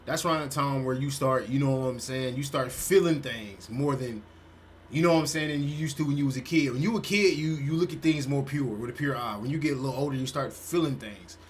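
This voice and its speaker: A man in his twenties, a streamer giving casual reaction commentary, animated and peppering his talk with "bro". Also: medium pitch, a little fast, a little hiss or hum. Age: 20s. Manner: animated, swearing, says "bro" often.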